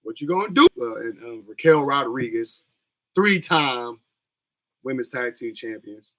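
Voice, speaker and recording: A man's voice: medium pitch, lively intonation, measured pace, fairly bright tone. A young man with a scratchy voice, chatting loosely in slang as he hosts a livestream. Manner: loose, slangy, rambling talk. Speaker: streamer hosting a wrestling watch-along. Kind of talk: casual livestream chat.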